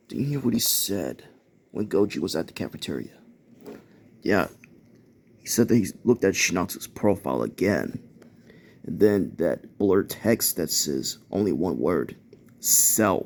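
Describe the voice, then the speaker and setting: Using a put-on character voice, a man speaks raspy and very deep at a moderate pace, with very wide pitch swings and long, frequent pauses. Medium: solo performance.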